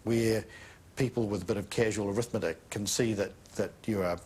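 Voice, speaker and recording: A man answering an interview in a measured, slightly hesitant way. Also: lowish voice, fairly even intonation, darkish tone, husky.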